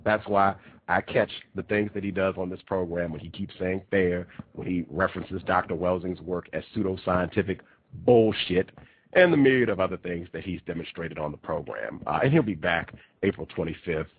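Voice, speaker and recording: A very low-voiced male radio host, nasal and congested from a cold, hammers his points home with repetition. His voice is husky and dry. It comes through a thin, phone-like line. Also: moderate pace, dry recording. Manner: emphatic, repeats key phrases. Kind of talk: talk radio monologue. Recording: tinny phone-line quality.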